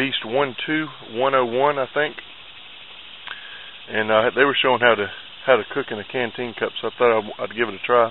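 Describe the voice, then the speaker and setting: Speech at a moderate pace with long, frequent pauses comes through in a dry sound with no echo over light background noise. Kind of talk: casual tutorial. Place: garden. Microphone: phone near.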